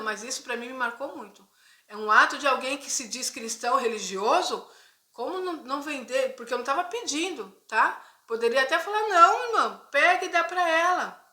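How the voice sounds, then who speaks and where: Brazilian woman, middle-aged, Christian vlogger: bright, chatty testimony, keeps checking in with viewers, roomy echo. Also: high voice. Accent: Brazilian Portuguese. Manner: conversational, frequent tag questions to viewers. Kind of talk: personal testimony storytelling. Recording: echoey room.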